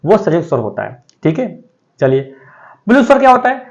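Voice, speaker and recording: A man's voice: high voice, wildly swooping pitch, a little fast, creaky, lo-fi sound. A man teaching grammar for an exam, who asks the class questions and answers them himself. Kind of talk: exam-prep lecture.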